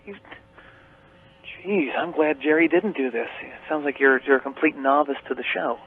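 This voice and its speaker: On a thin phone line during a radio broadcast, a male caller with a slightly rough, higher-than-average voice needles the host in mock-bossy call-in banter. He speaks at a moderate pace.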